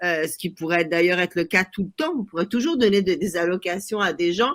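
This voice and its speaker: In a very clean recording with a silent background, a woman talks at medium pitch with ordinary pitch variation. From Quebec, Montreal. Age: 60s. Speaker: novelist. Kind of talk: interview. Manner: halting, many repetitions.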